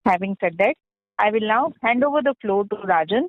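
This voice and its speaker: Through a narrow, phone-like connection, an Indian woman moderates a call. Her pitch is average for a woman, and she delivers a formal, scripted introduction in the manner of a corporate briefing. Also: expressive, fairly quick. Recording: phone-like, echoey conference line.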